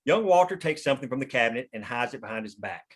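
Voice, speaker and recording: A man reads scripted scene descriptions as the narrator of a table read. His voice is medium in pitch. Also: animated, fast talker, husky. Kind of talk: scripted narration of stage directions.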